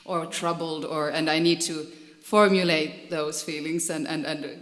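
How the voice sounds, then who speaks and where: A woman's voice: sits low, flat delivery, moderate pace, a bit bright. A woman speaking on a panel discussion, reflective and prone to restarts, with easy laughter. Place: lecture hall. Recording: echoey hall.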